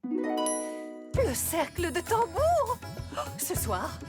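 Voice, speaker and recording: Hippie cartoon mother: high, swooping, earnest and exuberant, music underneath. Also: huge pitch swings, very slow, exaggerated voice. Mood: excited. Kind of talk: French cartoon dub acting.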